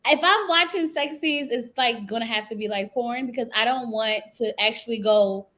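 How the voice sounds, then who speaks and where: A woman co-hosting a casual TV review show, stuffy and congested from a sinus cold, telling stories with animated quotes. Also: on the high side, moderate pace. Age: adult with a daughter. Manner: animated storyteller, acts out quotes.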